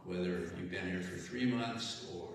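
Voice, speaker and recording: A middle-aged man reminiscing to his congregation in a halting, folksy way with chuckles, speaking at a stand mic in a chapel. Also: sits low, crowd noise. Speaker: longtime congregation member. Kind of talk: reminiscing testimony. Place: large chapel with hard walls. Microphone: stand mic, heard from a distant camera. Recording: echoey chapel, voice far from mic.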